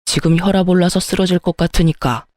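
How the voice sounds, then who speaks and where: A woman's voice: fairly low pitch, steady tone, fairly quick, darkish tone, dry recording, studio quality, lightly acted. A woman voicing a stern, angry older father who barks orders, in a dramatized story. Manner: gruff commanding orders.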